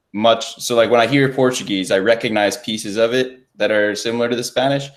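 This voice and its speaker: A man's voice: fairly low pitch, creaky. A man, hosting an interview in a casual, conversational style. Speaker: podcast host.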